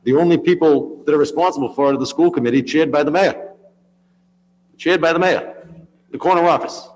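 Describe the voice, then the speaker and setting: A man serving as council vice president, making brisk, pointed remarks from the floor. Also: a little high, darkish tone, in a large hall, slight background noise, low-quality recording.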